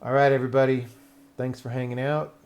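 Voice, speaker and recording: Male livestream host, middle-pitched with plenty of vocal fry, casual and offhand, a little grumbly. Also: flat delivery, quick pace, darkish tone, highs cut off. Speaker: game developer and livestream host.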